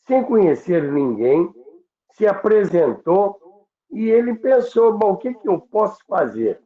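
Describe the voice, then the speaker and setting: A Brazilian man presents a radio history show at a very slow pace. He tells stories with deliberate emphasis in a conversational style. The sound is strongly echoey and narrow, like a limited-band line. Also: a little high.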